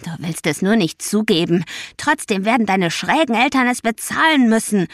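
A woman voicing an angry, self-righteous ten-year-old boy who speaks in a loud, accusing voice. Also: mid-range voice, lively intonation, normal speed, dry recording, studio quality, close to an everyday voice. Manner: indignant, raised voice.

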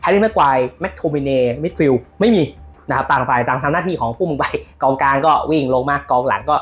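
A man giving casual football news commentary on his own channel, lively and animated, shouting out players' calls as he explains. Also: medium pitch, fast.

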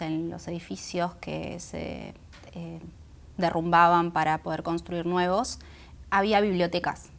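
Low-pitched Buenos Aires woman, Guaraní native. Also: fairly bright tone. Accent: Buenos Aires Argentine. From Argentina, Buenos Aires area. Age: 30s. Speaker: interview guest, singer and poet. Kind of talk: reflective personal interview. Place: indoor auditorium stage. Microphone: clip-on lapel microphone.

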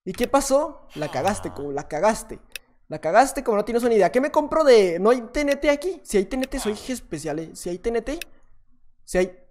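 A man with a Mexican Spanish accent giving chatty, self-mocking gameplay commentary, with sudden excited shouts. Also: very high-pitched, moderate pace, slight background noise. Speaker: gaming YouTuber.

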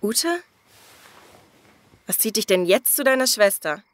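A woman's voice: medium pitch, measured pace, fairly bright tone, no echo, lightly acted. An actress playing a blunt, exasperated girlfriend in an audio drama, with slangy, naturalistic speech. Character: blunt, exasperated girlfriend longing for settled life. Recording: radio play with faint background noise.

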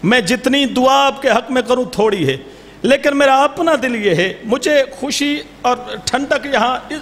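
A man's voice: very high-pitched, unhurried, a bit bright. A man with a Pakistani accent giving a devotional storytelling oration, declaiming and urging the crowd to respond. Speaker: religious orator. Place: large gathering hall. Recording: reverberant hall, faint noise.

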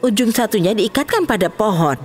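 A woman narrating a children's storybook cartoon with clear, expressive delivery. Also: mid-range voice, brisk, faint music behind.

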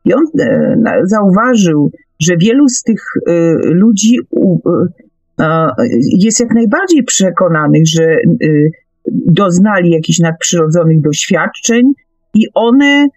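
A woman's voice: fairly low pitch, lively intonation, takes it slowly, darkish tone, dry recording, lo-fi sound. A woman explains at length in a conversational radio discussion, hesitant and often searching for words. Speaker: speaker on a paranormal radio discussion.

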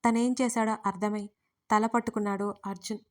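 A woman writer narrating her own romance audio story in a steady, even storytelling manner. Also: medium pitch, brisk.

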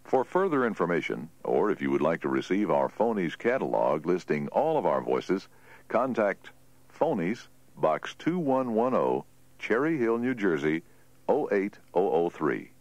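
A man's voice: low-pitched, sing-song, a little slow, darkish tone, dry recording, highs cut off. A man working as an announcer, reading scripted instructional narration.

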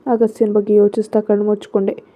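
A woman's voice: mid-range voice, completely flat delivery, fast, mellow. A woman narrating a story in the first person, reading steadily. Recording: phone-like narrow sound.

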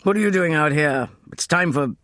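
A man voicing a gruff, blunt older man who is kindly underneath, in an audiobook. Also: fairly high pitch, normal speed, fairly bright tone, no echo, studio quality, natural voice.

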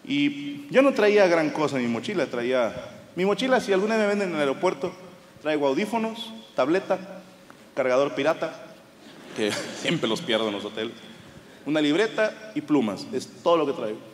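A Mexican man with a Mexican Spanish accent, doing profane, animated stand-up storytelling on a live comedy stage. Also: on the high side, moderate pace. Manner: profane, animated, bursts into shouted punchlines. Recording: live hall reverb with audience noise.

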